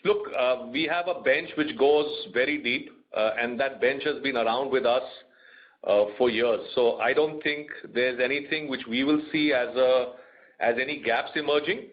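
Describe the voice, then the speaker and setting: A man with an Indian accent answering questions as a bank executive on an earnings call, in a measured, explanatory way. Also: medium pitch. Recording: muffled conference call audio.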